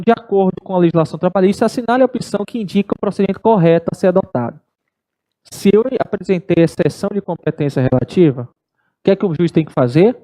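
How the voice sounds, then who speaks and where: A middle-aged Brazilian woman giving an animated exam-prep law lecture, acting out courtroom exchanges in shifting voices. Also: medium pitch. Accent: Brazilian Portuguese. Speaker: law teacher.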